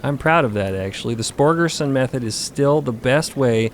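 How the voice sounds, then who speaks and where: A male actor as an affectionate, excitable husband in an audio drama. His mid-pitched voice is earnest and conversational, with clear sloshing water noise behind it. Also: moderate pace, lightly acted. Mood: playfully stubborn.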